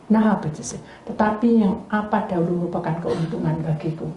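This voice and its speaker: Woman pastor, sermon, animated storytelling, low mellow voice, echoey room, faint hiss. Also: brisk, dull audio. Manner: animated storytelling, questions to the congregation.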